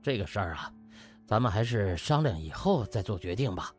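A man voicing a hesitant, evasive male hospital director in an audiobook, speaking haltingly. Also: lowish voice, big pitch swings, faint music behind, pitched below the performer's own voice.

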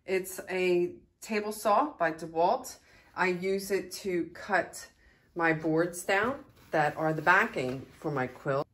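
A middle-aged woman from Philadelphia, United States, speaks with a Philadelphia American accent, her voice on the low side, slow, and fairly bright. She's an artist hosting an informal studio tour, chatting as she explains things.

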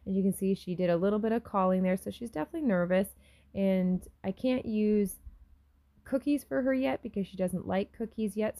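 A young woman narrating her own horse-training footage in a relaxed, explanatory way, with fillers and restarts. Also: on the low side, gravelly. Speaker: horse trainer and channel host. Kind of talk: casual voice-over narration of farm footage.

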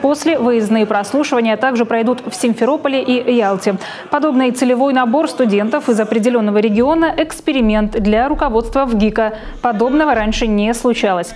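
A young woman presents the news with a fairly high voice. She reads scripted copy in a studio, as a television newsreader does. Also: brisk, a little mellow. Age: young adult. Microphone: lapel mic.

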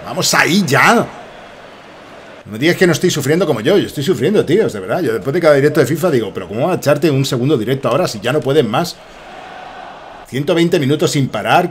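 A young man from Spain with a Spanish accent, giving rambling, excitable commentary while playing a soccer game and swearing often. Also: mid-range voice, slight background noise. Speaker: gaming streamer.

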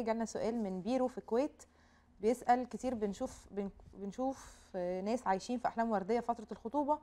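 A woman with an Egyptian Arabic accent hosting a live talk show, taking calls and moderating briskly. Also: medium pitch.

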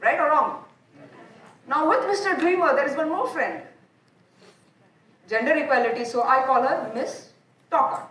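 A woman in her thirties with an Indian accent, giving an animated motivational talk on a large auditorium stage and often asking the audience "right or wrong?". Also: sits high, moderate pace, pauses often, far from the mic, slight background noise. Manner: animated, asks the audience questions, repeats words. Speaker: motivational speaker. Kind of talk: live conference talk. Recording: echoey hall, heard from off.

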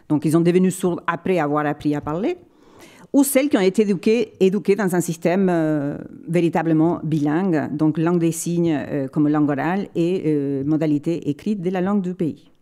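Mellow, lower-voiced woman giving a lecture. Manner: measured, explanatory, pauses often to search for words. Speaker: conference speaker. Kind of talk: academic lecture at a library event.

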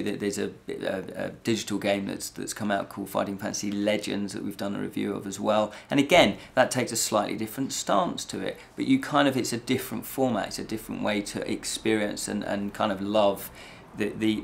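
Man, middle-aged, deepish creaky voice, casual rambling reviewer, repeats phrases. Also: slight background noise. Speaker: host of a fantasy review show. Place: small indoor set with draped backdrop.

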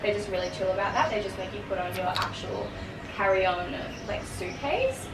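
A woman's voice: medium pitch, expressive, normal speed, echoey room, heavy background noise. Giggly young woman, a little far off. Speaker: friend on the trip. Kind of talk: casual chat. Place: hotel balcony.

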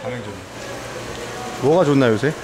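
A man's voice: medium pitch, normal speed, crowd noise, rough recording. A young man chatting casually as the vlogger's companion, easygoing and full of suggestions. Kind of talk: casual chat. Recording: clear background noise.

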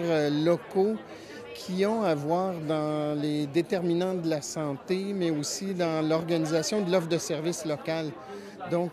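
A man in his fifties with a Quebec French accent, explaining his view at a conference in a measured, deliberate way. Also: fairly high pitch. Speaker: public health worker. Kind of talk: vox pop interview answer. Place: busy hotel conference hall. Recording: crowd chatter behind.

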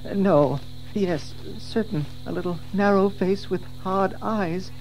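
Mellow, earnest little storybook mole. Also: male voice, high voice, slow pace, faint music behind, low-quality recording. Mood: frightened. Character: timid, earnest young Mole, small storybook animal. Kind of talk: dramatised children's audiobook.

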